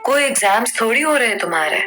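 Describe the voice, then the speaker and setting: A woman voicing an earnest teenage boy in love, gently coaxing a girl in a read-aloud story. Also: a little high, lively intonation, fast talker, faint music behind, voice pushed up. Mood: pleading.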